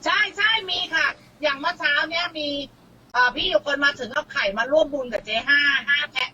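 A woman's voice: high voice, brisk, bright, forceful tone, highs cut off, a little hiss or hum. A woman guest in a casual interview, talking bluntly and outspokenly, swearing freely. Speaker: guest, community food donor.

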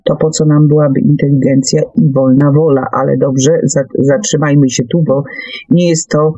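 A middle-aged woman hosting a reflective radio discussion, speaking deliberately and hesitantly with searching pauses. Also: low voice, fairly even intonation, warm tone, no echo. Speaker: radio host. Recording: muffled online radio audio, faint music.

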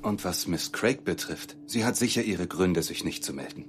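An actor playing a caring husband and worried father in an audio drama, gentle and reassuring. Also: sits low, normal speed, a little hiss or hum, lightly acted.

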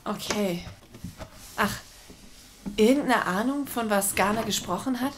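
An actress plays a terse, scornful female agent in a radio play. Her pitch is average for a woman. Noise and clicks are clearly heard behind her. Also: unhurried, lightly acted. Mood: curt, scornful. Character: curt, prickly female covert agent. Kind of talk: audio drama acting.

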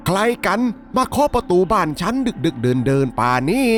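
A man's voice: high voice, sing-song, normal speed, fairly bright tone. A man voicing a grumbling old grandmother in a storybook tale, querulous and muttering.

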